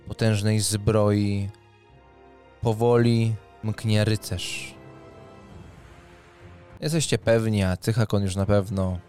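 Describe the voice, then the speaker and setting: Male game master: smooth low voice, dramatic narration of tabletop fantasy, light music behind. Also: a little mellow. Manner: deliberate, dramatic phrasing with pauses. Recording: music under the voice.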